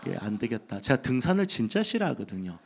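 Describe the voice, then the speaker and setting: Animated male pastor telling jokes. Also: mid-range voice, fast, vocal fry, slightly rough. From Busan, South Korea. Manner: humorous storytelling with acted inner thoughts. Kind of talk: sermon. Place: church sanctuary. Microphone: handheld mic.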